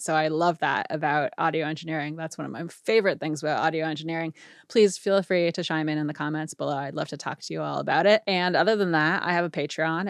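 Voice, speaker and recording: A woman in her forties, an audio engineering teacher, chatting casually and a bit ramblingly about a mixing technique to camera, her voice tired and going hoarse after a long day of talking. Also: deep voice, dry recording, studio quality. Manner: chatty, rambling, self-deprecating, nerdy. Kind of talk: casual tutorial talk to camera. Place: small home studio. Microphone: studio vocal mic.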